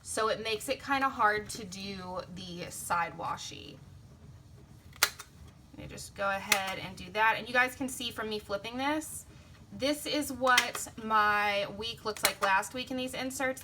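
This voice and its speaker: A woman's voice: medium pitch, measured pace, heavy background noise. A young woman chatting casually through her planner setup at home, tired early in the morning, with a slightly strained voice and a rambling way of talking. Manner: chatty, rambling, self-interrupting. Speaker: planner vlogger and sticker shop owner. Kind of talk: casual plan-with-me chat. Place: home craft desk, indoors. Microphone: phone camera overhead. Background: printers running.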